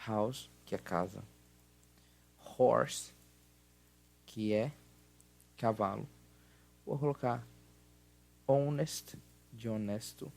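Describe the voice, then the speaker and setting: A Brazilian man teaches an English grammar lesson in a Portuguese accent, explaining patiently and saying words slowly so students can copy the pronunciation. His voice is lowish and gravelly, with a somewhat dark tone.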